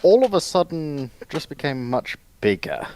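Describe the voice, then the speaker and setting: A man's voice: a little high, big pitch swings, moderate pace, a little mellow. A man chatting casually as a panelist, asking questions and musing aloud.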